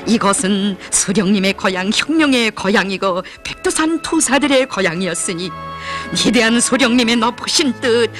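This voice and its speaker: A man's voice: high-pitched, expressive, normal speed, a bit bright. A man with a North Korean accent narrating a propaganda documentary in a solemn, reverent, emotive declamatory style. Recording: music behind the narration. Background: music.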